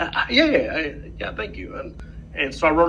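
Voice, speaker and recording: Audible room echo is present. The man's speech moves at a moderate speed. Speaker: sportswriter and author who stutters. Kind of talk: podcast interview. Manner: halting, many repetitions and fillers.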